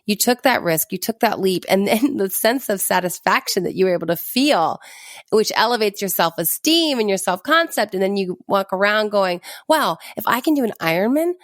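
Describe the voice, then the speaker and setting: A female podcast host speaks in an encouraging, conversational way, jumping up in pitch whenever she acts out a quote. Her voice sits at a middling pitch, and the recording is dry and close. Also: lively intonation, moderate pace, dry recording. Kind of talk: casual interview talk.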